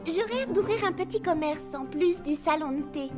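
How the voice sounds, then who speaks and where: A kind, upbeat little cartoon heroine, speaking politely and encouragingly in French dub style. The voice is very high and girlish, over clear background music. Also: animated, normal speed. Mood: earnest. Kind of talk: French animated children's dub. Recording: background music under dialogue.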